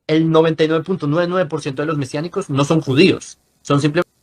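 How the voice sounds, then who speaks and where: A man's voice: on the high side, steady tone, quick pace. A man explaining a religious movement in a lecturing way, sometimes stalling on fillers. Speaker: religious commentator. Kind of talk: explanatory talk.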